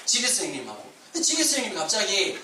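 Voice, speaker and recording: A male pastor preaches in a church sanctuary, telling stories with animation and acting out the quotes. His voice is high-pitched and fast. The hall is echoey, the mic is at a distance, and there's slight background noise.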